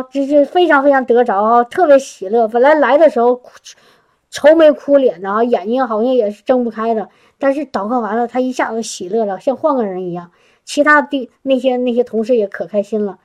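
A woman recounts a personal testimony, telling it in an animated, lively way. Her voice sits a little high, and she often breaks into exclamations of praise. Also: a little fast. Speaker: church member giving a testimony.

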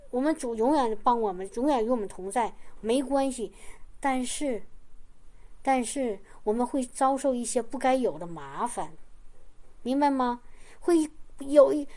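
A woman's voice: on the high side, mellow. A woman preaching a sermon in an earnest, repetitive way, often asking the congregation if they understand.

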